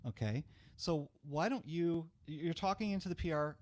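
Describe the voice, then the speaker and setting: A middle-aged man with a low, rough voice, hosting a casual live-stream chat in a small studio on a boom-arm mic. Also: darkish tone. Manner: brisk, chatty, talks with his hands. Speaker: host. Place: small studio room full of gear. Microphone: studio mic on boom arm, headphones on.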